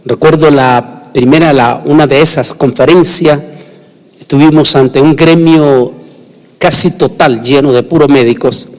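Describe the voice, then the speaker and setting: A man preaching a sermon, emphatic, with sudden rises in pitch and frequent restarts. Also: steady tone, unhurried, darkish tone. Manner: emphatic, rising and falling delivery with restarts. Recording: long hall reverb.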